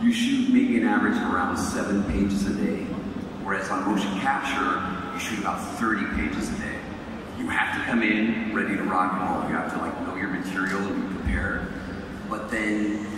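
At a fairly quick pace, a man speaks amid noticeable background noise and strong room echo. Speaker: guest actor on stage. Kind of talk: interview answer. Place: hall.

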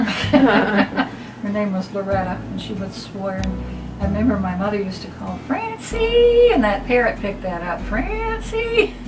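A woman with an American accent talks with hardly any pauses over noticeable background noise. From Virginia, USA. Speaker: grandmother telling life stories. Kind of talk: casual storytelling in conversation. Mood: warm, amused. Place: home room. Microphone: camera far.

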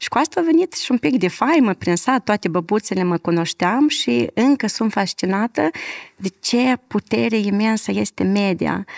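The background is quiet. A woman speaks with very wide pitch swings. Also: moderate pace. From Moldova, Căușeni district; Moldova. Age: 30s. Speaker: journalist and media manager; podcast guest. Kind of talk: interview conversation. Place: studio. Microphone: studio mic.

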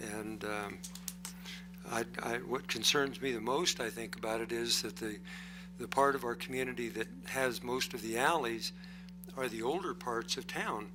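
A man talks at a moderate pace and medium pitch, with lively intonation and long, frequent pauses. Music plays in the background, and room echo is audible. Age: 70s. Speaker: mayor chairing council meeting. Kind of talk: council meeting discussion.

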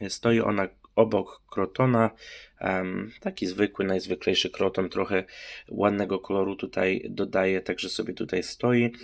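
Fairly low in pitch, a man talks in a monotone, flat manner at a moderate pace, recorded very cleanly against a silent background. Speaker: plant vlogger. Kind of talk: casual vlog. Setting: at home, filming indoors.

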